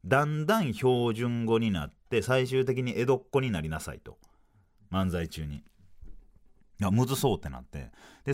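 A man with a Kansai accent, hosting a podcast and telling a story in a casual, animated way. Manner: animated, sing-song delivery with swooping pitch. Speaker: podcast host, comedian.

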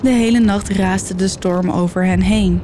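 A woman narrating a legend as a storyteller, reading in a measured, dramatic way. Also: medium pitch, steady tone, dark tone, a little hiss or hum. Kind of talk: scripted narration.

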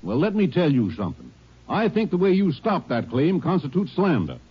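Husky, belligerent 1950s radio-drama suspect. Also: male voice, a little high, wildly swooping pitch, moderate pace, heavily acted. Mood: indignant. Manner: indignant, argumentative. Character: defensive, belligerent hardware store owner under suspicion. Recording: muffled old radio recording.

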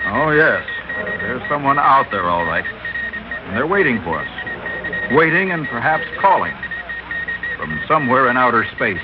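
A grave male observatory scientist, halting at first before settling into ominous certainty. His pitch moves a lot, and the old radio recording is dull with heavy noise. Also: sing-song. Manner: hesitant then grave and ominous. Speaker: physicist. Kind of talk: 1960s radio drama acting.

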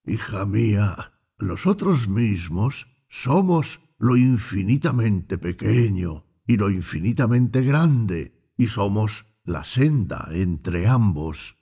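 A wise old grandmother in a spoken fable, quiet, tender and measured, as a man plays her. The voice stays husky and dark, slow and gentle. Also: on the low side, animated, exaggerated voice.

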